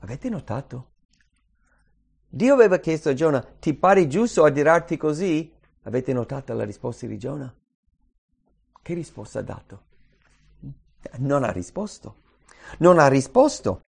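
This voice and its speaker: Earnest preacher man with a gravelly voice. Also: medium pitch, lively intonation, moderate pace, long pauses, darkish tone. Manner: earnest, emphatic, repeats key phrases. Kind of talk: sermon with scripture reading.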